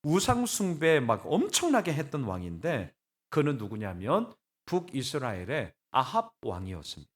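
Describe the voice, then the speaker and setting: A man preaching a Sunday sermon as pastor, animated and conversational, blunt and colloquial, asking his congregation rhetorical questions. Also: mid-range voice, normal speed. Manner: blunt, colloquial, laughing at times. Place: church sanctuary.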